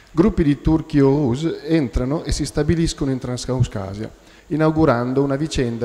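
Speech at a fairly quick pace with ordinary pitch variation plays over faint background music. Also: man. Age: young. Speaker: linguistics professor. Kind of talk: lecture. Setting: conference hall. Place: hall.

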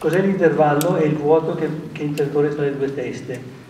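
At a moderate pace, the speech carries audible room echo over light background noise. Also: man. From Valcamonica, northern Italy; northern Italy. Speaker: gallery owner. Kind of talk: anecdotal talk. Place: hall. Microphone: podium.

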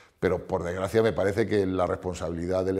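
A dark, mellow tone moves at a fairly quick pace over a quiet background. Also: man. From Spain. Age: 50s. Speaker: patient advocacy association vice president. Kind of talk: interview. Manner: halting. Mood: earnest, critical. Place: studio. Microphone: lapel.

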